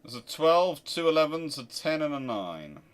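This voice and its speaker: A man's voice: fairly high pitch, big pitch swings, normal speed, smooth. A man hosting a casual live question-and-answer talk, speaking emphatically and arguing through rhetorical questions. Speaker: host of a naval history channel.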